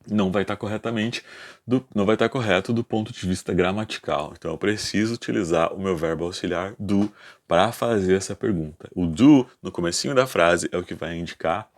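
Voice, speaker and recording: A man with a Brazilian Portuguese accent teaching an online English grammar lesson, patiently explaining and slowly repeating example sentences, often checking in with "ok?". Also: sits low.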